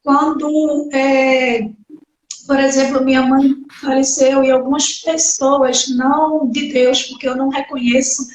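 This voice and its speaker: A woman pastor preaching an earnest sermon in a high voice, heard from a distance. The recording rings with the echo of a large hall, with a faint ambience underneath. She often tags her sentences with a questioning "né". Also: little pitch movement, measured pace, slight background noise. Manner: earnest preaching with frequent "né" and acted quotes. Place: church hall. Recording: echoey church hall from far off.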